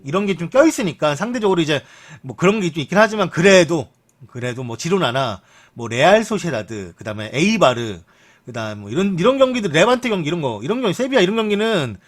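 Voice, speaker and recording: A young man streaming live, reading football news in a chatty, joking way and muttering asides. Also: brisk. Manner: chatty, lively pitch, jokes and mutters asides. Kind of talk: casual live-stream commentary.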